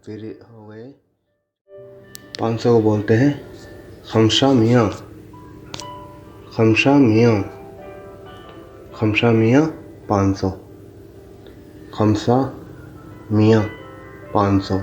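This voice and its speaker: Slow, patient man teaching numbers. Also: lowish voice, steady tone, darkish tone, dull audio, faint music behind. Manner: repeats each number several times, correcting the book. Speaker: Arabic teacher. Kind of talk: slow repetitive lesson.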